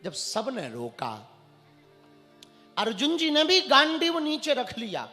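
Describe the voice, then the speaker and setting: A man's voice: extremely high pitch, wildly swooping pitch, slow, sharp tone. A man preaching a devotional sermon, telling a sacred story and voicing its characters, at times chanting Sanskrit verses. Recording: large hall with long reverb, faint music.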